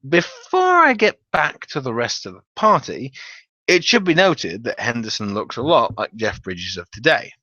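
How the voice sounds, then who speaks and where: A man's voice: mid-range voice, big pitch swings, normal speed, bright, forceful tone, no room sound, dull audio. A man giving a dramatic reading of a comic tabletop-game story, with theatrical, wry emphasis. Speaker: narrator.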